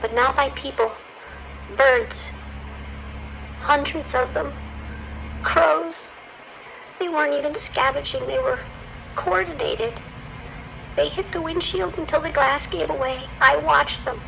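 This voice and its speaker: A shaken dispatcher, very high, creaky. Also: female voice, slow pace, long pauses, sharp tone, lo-fi sound, slight background noise, full character voice. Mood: haunted dread. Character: shaken female ranger dispatcher, haunted and grimly warning. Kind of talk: horror radio drama acting.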